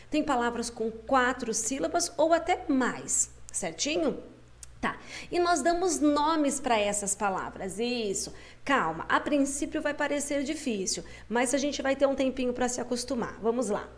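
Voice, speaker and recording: A woman teacher, guiding young pupils through a schoolbook lesson, patient and coaxing, slowing down to sound out syllables. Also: fairly high pitch.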